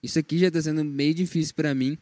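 A Brazilian man on a casual Christian podcast speaks modestly and openly admits to his own shyness. His voice is dark and mellow. The recording is close and dry, with no room sound. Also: on the high side, steady tone, fast, dry recording. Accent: Brazilian Portuguese. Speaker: podcast co-host.

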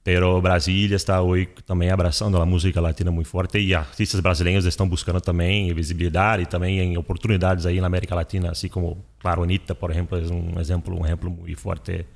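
A man with a low-pitched voice answers in a conversational interview. He is a native Portuguese speaker from Brazil, and his Brazilian accent comes through as he blends Portuguese into his Spanish. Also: level tone, fast, vocal fry, hardly any pauses. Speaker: interview guest, music distribution executive.

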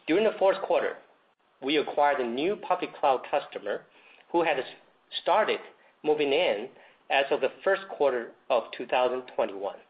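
A man in the role of a company executive, reading a scripted earnings presentation in a formal, measured way. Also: medium pitch, lively intonation. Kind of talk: scripted earnings call presentation, read aloud. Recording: dull lo-fi conference call audio.

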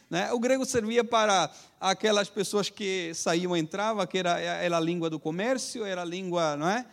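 High-voiced man preaching a sermon. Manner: teaching, constantly checks with "não é?" tag questions; drills the congregation to repeat after him. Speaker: pastor.

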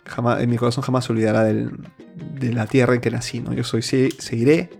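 A man's voice: medium pitch, level tone, fairly quick, creaky, a little mellow, soft background music. A man from Peru hosting his own opinion show, speaking earnestly with many restarts and fillers. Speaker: host. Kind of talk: opinion monologue.

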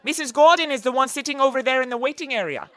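A prim female receptionist in a radio comedy. Her very high, sharp voice is precise and deferential, recorded dry. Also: quick pace, no echo. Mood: dutiful, correcting. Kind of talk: old-time radio comedy acting.

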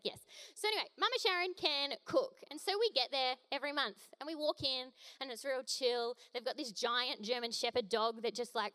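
A woman's voice: high voice, bright, forceful tone. Chatty, playful woman preaching. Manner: chatty, playful, jokey asides. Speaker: guest preacher. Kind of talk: casual sermon.

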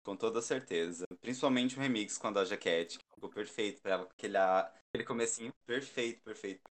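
A man's voice: on the low side, fast. A man with a Brazilian Portuguese accent in casual chat, gushing and emphatic about what he loves. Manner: gushing, emphatic fan talk.

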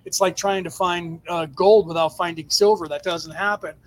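A man with a fairly high-pitched voice speaks as a spiritual teacher answering a live audience. He explains things emphatically and off the cuff, in stop-and-start phrases. A faint rumbling noise sits under the recording. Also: steady tone, moderate pace. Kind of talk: extemporaneous spiritual lecture to a live chat.

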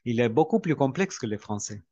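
Woman, very low pitch, lively intonation, emphatic, opinionated guest. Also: fairly quick, slightly rough, no echo, muffled recording. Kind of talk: casual discussion.

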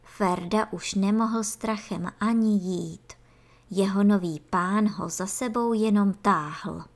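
Woman reading a children's story. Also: mid-range voice. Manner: expressive storybook narration. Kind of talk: reading a children's book aloud.

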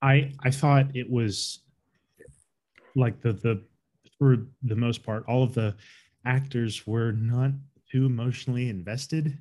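A man's voice: mid-range voice, steady tone, slow, a little mellow. Rambling man chatting about films. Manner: rambling, frequent restarts, opinionated. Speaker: podcast co-host. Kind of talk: casual movie review chat.

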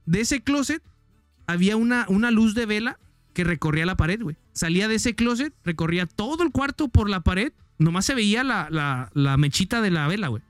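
Man, podcast storyteller, fairly high voice, dry close sound, acts out noises. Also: a little fast, clean tone, no room sound, soft background music. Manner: animated, mimics sounds, says "güey" constantly. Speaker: podcast co-host. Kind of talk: casual storytelling.

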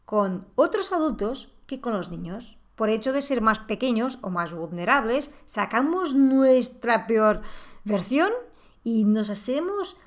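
A woman talking through a reflective monologue on parenting, asking the listener rhetorical questions. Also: a little high. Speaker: parenting podcast host.

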